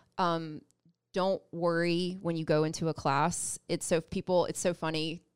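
A woman with a Southern US accent talks fairly slowly at a fairly low pitch in a monotone, flat way, in a very clean, dry, close recording with a silent background and no echo. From Alabama, US South. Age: 30s. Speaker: yoga instructor. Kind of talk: casual interview.

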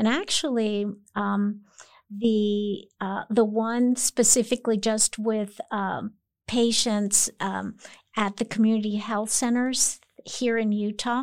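The recording is very clean, with a silent background. A woman speaks very slowly at a fairly high pitch, her intonation monotone and flat. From Texas. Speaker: pharmacy professor emerita. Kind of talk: interview. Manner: hesitant, many fillers.

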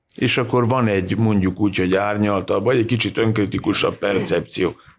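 In a very clean recording with a silent background, a man with a plain, everyday voice speaks at a fairly quick pace and fairly low pitch with fairly even intonation. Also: hardly any pauses, very even loudness. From Vojvodina, Serbia (Novi Sad). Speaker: painter and writer. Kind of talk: casual interview chat. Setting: studio. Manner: articulate, elaborate phrasing.

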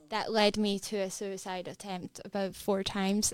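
On a very clean recording with a silent background, a woman with a Scottish accent speaks at a medium pitch with fairly even intonation. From Scotland. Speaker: support worker. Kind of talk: casual interview. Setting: studio.

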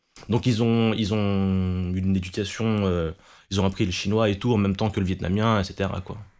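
A flat, monotone delivery at a moderate pace on a very clean recording with a silent background. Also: man, fairly low pitch for a man. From France. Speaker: software developer. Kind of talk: casual chat. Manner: halting.

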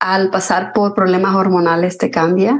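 This woman has an unremarkable speaking voice at a medium pitch, with ordinary pitch variation. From Honduras. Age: 30s. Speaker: podcast co-host, photographer. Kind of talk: casual chat.

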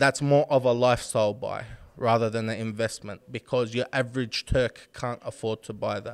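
In an Australian accent, a man speaks at a moderate pace and medium pitch with monotone, flat intonation on a very clean recording with a silent background. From Sydney, Australia. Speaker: real estate consultant, former property investor. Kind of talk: interview. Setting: office.

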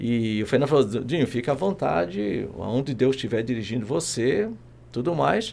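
The voice carries vocal fry and lively intonation at a moderate pace. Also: man, medium pitch for a man. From Angola. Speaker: pastor. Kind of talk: casual chat.

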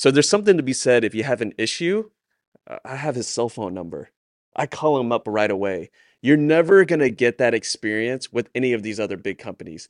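An ordinary speaking voice, a man's, sits at medium pitch with lively intonation and a fairly quick pace. The sound is dry and close with no echo, over a quiet background. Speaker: dentist, co-host.

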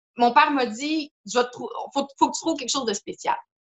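A woman with a high pitch speaks in an animated tone, her pitch varying in an ordinary way. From Quebec City, Quebec. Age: 30s. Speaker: entrepreneur. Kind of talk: casual chat.

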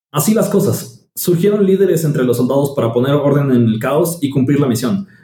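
A man with a Mexican accent, dark and mellow in tone, talking at a very fast pace with lively intonation. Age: 20s. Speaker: political podcaster and streamer. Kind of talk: reading aloud.

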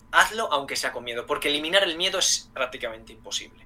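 With a plain, everyday voice, a man talks at a fairly high pitch and ordinary pitch variation. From Spain, Madrid. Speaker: motivational coach and engineer. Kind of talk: interview about healthy habits.

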